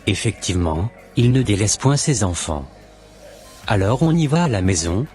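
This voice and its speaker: A man's voice: fairly low pitch, very animated, moderate pace, dark tone, faint music behind. A man playing an earnest, solemn born-again Christian with a preachy, formal manner in an amateur cartoon. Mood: relieved, thankful.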